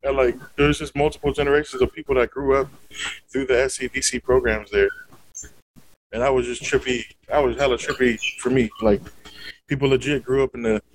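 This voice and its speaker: A man's voice: mid-range voice, steady tone, a little fast, slight background noise, low-quality recording. A man, co-hosting a podcast in a casual, laid-back way that is heavy on "bro" and "like.". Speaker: podcast co-host. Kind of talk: casual chat.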